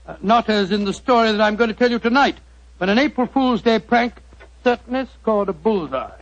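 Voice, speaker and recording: A genial older doctor, gravelly. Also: male voice, high voice, expressive, a little fast. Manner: genial, chuckling storyteller. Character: older male doctor narrating, genial and fond. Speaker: narrator and character in a radio drama. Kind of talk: 1940s radio acting. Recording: muffled old radio broadcast.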